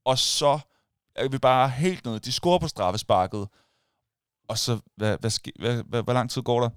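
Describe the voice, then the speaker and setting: A man co-hosting a casual chat, telling a story with energy and acting out the shouts of others. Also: mid-range voice, clean tone, no echo, clean studio sound. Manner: animated storytelling, acts out crowd shouts.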